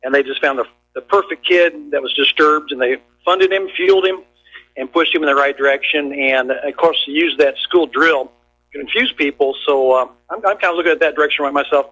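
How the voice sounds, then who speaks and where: Male caller, measured, thinking aloud, slightly high voice, muffled phone line. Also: sharp tone. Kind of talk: phoned-in radio call.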